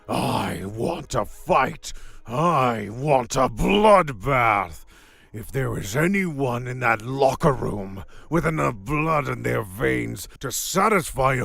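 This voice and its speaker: A man playing a bloodthirsty swamp werewolf wrestler, gravelly and raspy, delivering a menacing, taunting challenge promo. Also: medium pitch, a bit bright, no room sound, exaggerated voice.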